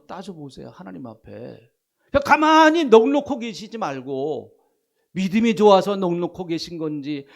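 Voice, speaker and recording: Emphatic, gravelly pastor, man. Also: a little high. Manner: emphatic, repeats key phrases, drops to quiet asides. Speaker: senior pastor. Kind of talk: sermon. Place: church.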